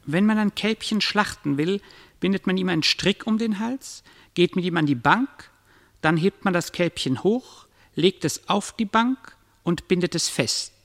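A man's voice: high-pitched, unhurried, fairly bright tone. An ominous figure from a radio play, declaims grim parables with clinical detachment. His raised voice rings in a long hall reverb. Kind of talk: declaimed radio drama interlude.

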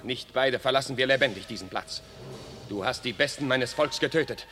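An actor playing a defiant, proud English prince and warrior in a classic radio drama, declaiming with passion. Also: male voice, medium pitch, fairly quick, sharp tone, soft background music, lightly acted. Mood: furious, defiant. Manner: declamatory, impassioned. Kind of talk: classic German stage-style radio drama acting.

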